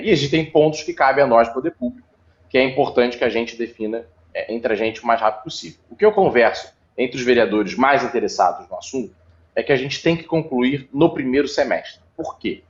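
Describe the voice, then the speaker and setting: A man, speaking as a city councilman in an interview. He explains patiently, with frequent fillers, in a mid-range voice. The audio is slightly dull. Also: medium pitch. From Brazil. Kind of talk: interview answers.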